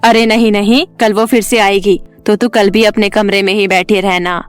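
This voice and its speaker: A woman's voice: medium pitch, level tone, normal speed, faint music behind, close to an everyday voice. A woman voicing a scheming mother-in-law who keeps making excuses, in a cartoon story. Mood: fond.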